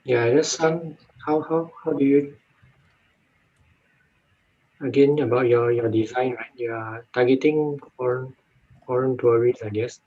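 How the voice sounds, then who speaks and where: Judge, slow and hesitant, mellow voice, muffled call. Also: male voice, medium pitch, fairly even intonation. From Singapore. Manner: hesitant, groping for the question. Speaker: competition judge. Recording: dull lo-fi call audio.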